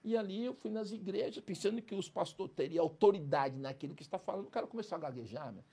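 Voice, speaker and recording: A fast-talking man with a husky, slightly raspy voice and a lively, swinging pitch. He speaks in an emphatic, streetwise way, pressing each point hard as he tells his story in a casual interview. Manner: emphatic, streetwise, keeps adding "entendeu?" and "cara". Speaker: interview guest, former criminal turned prison speaker.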